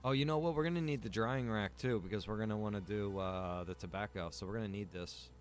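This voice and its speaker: A man's voice: fairly low pitch, fast. A man streaming a game, chatting casually and rambling as he thinks aloud. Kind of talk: casual livestream gameplay chat.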